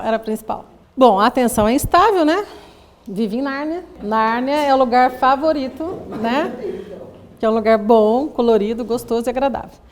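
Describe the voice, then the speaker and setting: A Brazilian woman psychologist giving a lively talk to an audience, acting out little scenes in quoted voices with laughing asides. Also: on the high side. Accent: Brazilian Portuguese. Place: lecture room with audience.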